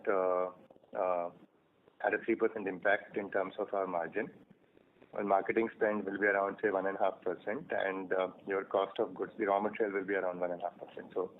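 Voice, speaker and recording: An Indian-accented man, a company executive answering questions on an earnings call in a halting, measured way. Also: low-pitched, steady tone. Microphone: phone line. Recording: noisy, tinny phone conference line.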